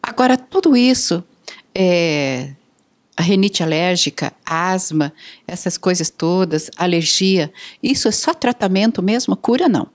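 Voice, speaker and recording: A woman's voice: fairly low pitch, expressive, a little slow. A woman with a Brazilian Portuguese accent, hosting an interview, asking short questions. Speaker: host.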